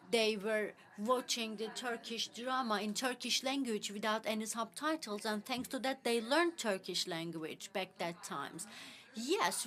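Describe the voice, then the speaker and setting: A woman works as a simultaneous interpreter at a panel, carrying the talk into English as it happens. Her phrasing comes in short, halting chunks, with restarts and small fillers as she keeps pace with the speakers. Her pitch sits in a middling range. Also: a bit bright.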